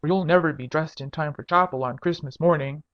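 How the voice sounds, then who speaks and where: Woman putting on a low blustering old baron. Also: brisk, natural voice. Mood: startled, commanding. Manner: hearty, roguish, exclaiming. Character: blustering, jovial medieval baron, an older father. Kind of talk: humorous storybook character voice. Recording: dull lo-fi audiobook recording.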